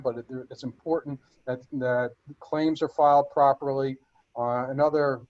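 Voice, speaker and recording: A man answering board questions in a webinar, explaining legal steps in a measured way with frequent fillers and restarts. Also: medium pitch, darkish tone, dull audio. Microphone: web conference audio.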